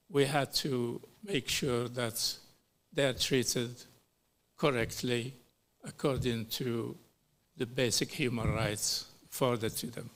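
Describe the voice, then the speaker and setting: A middle-aged man from Algeria speaks at a hearing in a measured, unhurried way, with a mid-range voice. He pauses often between phrases and falls back on fillers as he builds his points. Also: mid-range voice, fairly bright tone. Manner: slow and deliberate, with frequent pauses and fillers. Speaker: panel speaker at a human rights hearing. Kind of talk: formal prepared speech.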